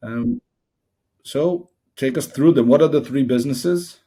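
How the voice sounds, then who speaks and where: A man's voice: medium pitch, unhurried, dark tone, husky. A man hosting a podcast, asking questions in a casual, chatty interview style.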